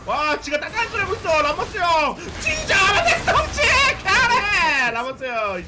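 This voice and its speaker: A man streaming a game, yelling catchphrases and cackling through excited live commentary. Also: very high-pitched, moderate pace. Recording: loud noisy game stream.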